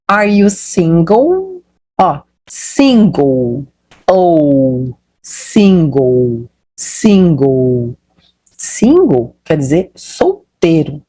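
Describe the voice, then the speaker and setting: A woman from Brazil teaching a basic English lesson, drilling phrases with repetition and lively intonation. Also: a little high, breathy edge. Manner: slow, emphatic drilling with repeated phrases; lively rising and falling intonation.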